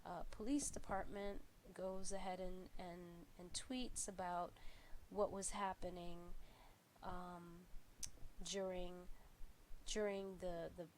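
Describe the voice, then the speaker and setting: A young woman with a stuffy, congested voice records a class presentation. She speaks slowly in a low, flat tone and keeps stopping to restart with ums and uhs. A faint hiss sits behind her. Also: rough recording. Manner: halting, many fillers and restarts. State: congested from a flu. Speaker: student presenter.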